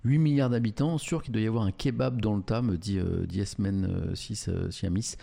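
Gravelly, dark-voiced streamer. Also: male voice, lowish voice, moderate pace. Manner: chatty, amused, reacts to viewer comments. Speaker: streamer reading chat. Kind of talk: casual live-stream chat.

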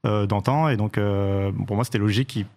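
A man's voice: on the low side, fairly quick, a little mellow. A man in his thirties, a journalist, talking through his reasons in a political discussion, with many fillers and restarts. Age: 30s. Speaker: journalist and campaign organizer.

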